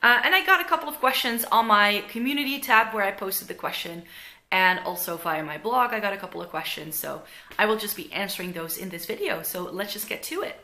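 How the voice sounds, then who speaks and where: Brisk and creaky, with a sharp edge to her medium-pitched voice, a young beauty vlogger from the Netherlands rambles casually to the camera close in front of her. She's in her living room, filling her talk with fillers in a Dutch accent tinged with American.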